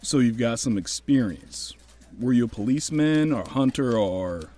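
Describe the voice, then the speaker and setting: A man's voice: medium pitch, expressive, moderate pace, dark tone, close to an everyday voice. Man acting a fatherly, folksy US Army officer. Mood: probing. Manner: folksy, commanding, addresses juniors paternally. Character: genial, probing older US Army officer, fatherly authority. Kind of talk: audio drama acting.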